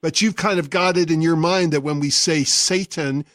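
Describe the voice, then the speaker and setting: A man hosts a call-in radio talk show, laughing easily and talking through ideas at length. His voice sits a little high. The studio sound is dry and close. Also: fairly even intonation, fairly bright tone, no echo. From California. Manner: quick to laugh, explains at length. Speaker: radio host.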